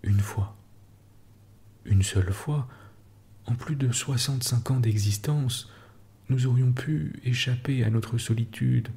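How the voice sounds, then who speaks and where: A bitter old man in his sixties pleads with urgency, as a male storyteller reads him, hitting every syllable hard. The voice stays low and dark, and now and then it sinks to a harsh whisper. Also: measured pace, creaky, pauses often. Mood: urgent. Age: 60s. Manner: insistent, presses hard on each syllable, at times whispered.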